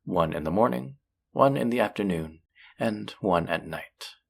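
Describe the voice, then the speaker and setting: A voice actor playing a flirty, possessive demon casino dealer in an intimate audio roleplay, teasing and taunting in a low, husky, breathy voice. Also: expressive, full character voice. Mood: flirty, eager. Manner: teasing, taunting, slow and drawn-out.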